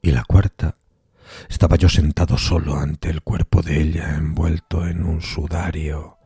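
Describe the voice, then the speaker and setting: A man giving a dramatic, theatrical literary narration of a gothic horror story, moving between hushed and emphatic phrasing. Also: very deep voice, level tone, a little slow, vocal fry, breathy edge, no echo, soft background music. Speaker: podcast narrator reading a horror tale.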